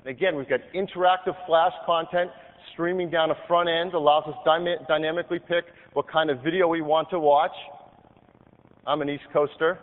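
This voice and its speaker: A man giving an upbeat live software demo on a conference stage, clicking through features as he talks. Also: on the high side, fairly even intonation, fairly quick. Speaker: product demonstrator on stage. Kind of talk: live keynote product demo. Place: large convention hall stage. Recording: tinny, hall-reverb archive video of a keynote.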